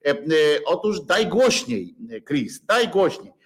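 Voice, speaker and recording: A man's voice: high-pitched, very animated, takes it slowly, husky. A man hosting a casual livestream chat, rambling and self-mocking with many filler sounds, sore and bruised. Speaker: livestream host. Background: dog present.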